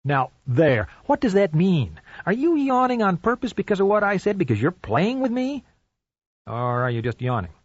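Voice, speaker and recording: A man's voice: high voice, big pitch swings, moderate pace, dry recording, voice pushed up. A man voicing an exasperated guy pleading with his dog. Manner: exasperated, questioning. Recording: dull, dry lo-fi audiobook recording.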